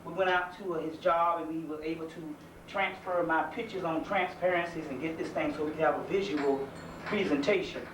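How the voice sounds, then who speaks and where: A man's voice: on the high side, fairly even intonation, brisk. Southern man lecturing in an echoey hall. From South Carolina. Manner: folksy, conversational, earnest. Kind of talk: informal community lecture. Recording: echoey room, mic far off, faint hiss.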